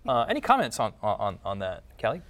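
A man's voice: on the low side, wildly swooping pitch, fast talker, fairly bright tone. A man hosting a casual Bible study discussion, musing aloud and often rephrasing himself. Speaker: discussion host.

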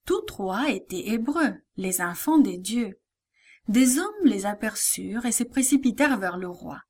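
A woman reads a children's Bible story aloud with expressive, deliberate delivery. Her voice sits on the high side and she takes her time. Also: husky.

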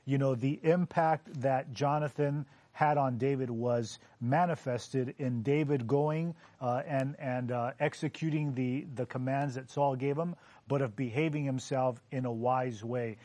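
A man on a Bible discussion panel, speaking thoughtfully and reading scripture aloud at a measured pace. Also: medium pitch, fairly even intonation, dark tone, no room sound.

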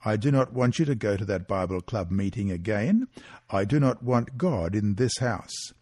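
A stern military father lays down the law in a read-aloud story, voiced by a man. His firm, commanding lines come in a mellow, slightly husky tone with lively rises and falls. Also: mid-range voice, unhurried, no echo, clean studio sound. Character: stern angry male army officer father.

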